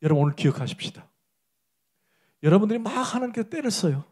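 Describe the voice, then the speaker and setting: A man's voice: high voice, expressive, fast talker, darkish tone, slightly rough. A man preaching a Sunday sermon as pastor, emphatic and asking the congregation direct questions.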